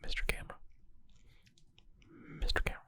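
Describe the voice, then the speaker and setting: Whispering man, breathy ASMR reading. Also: fairly quick, bright, forceful tone. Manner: informal, thinking aloud, murmured asides. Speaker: ASMR creator reading and answering medical exam questions.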